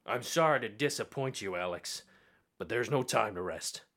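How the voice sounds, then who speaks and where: A man's voice: fairly low pitch, expressive, moderate pace, fairly bright tone. Man acting a stern sci-fi military colonel. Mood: stern, urgent. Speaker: voice actor. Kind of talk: dramatic game-style voice acting.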